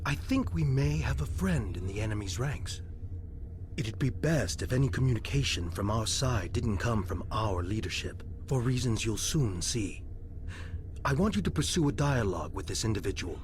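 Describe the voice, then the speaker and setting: Man playing a businesslike military commander, mid-pitched. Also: lively intonation, normal speed, slight background noise, close to an everyday voice. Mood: businesslike, guarded. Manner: clipped, authoritative, formal. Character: businesslike male military commander giving mission orders. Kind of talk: scripted game briefing.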